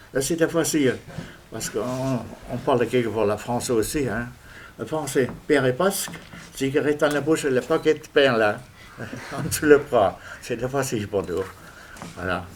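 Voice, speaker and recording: Speech at a moderate pace with long, frequent pauses and noticeable background noise. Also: man, medium pitch for a man, ordinary pitch variation. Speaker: war veteran. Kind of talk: testimony. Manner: halting.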